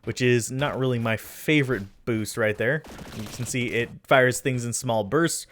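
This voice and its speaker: There's a faint hiss or hum as a let's play commentator talks through his gameplay at normal speed, his mid-range voice fairly bright. Chatty and self-deprecating, he often loses his train of thought while game music plays softly underneath.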